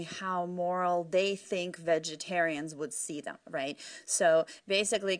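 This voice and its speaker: A woman researcher explaining her work in an informal interview, discursive and often hedging as she goes. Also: on the low side. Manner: discursive, hedging with "sort of" and "you know".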